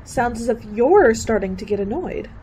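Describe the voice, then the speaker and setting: A woman's voice: fairly high pitch, animated, normal speed, dark tone, slight background noise, natural voice, low-quality recording. A woman playing a good-natured young college student in an old-time radio drama, with breezy, unbothered replies.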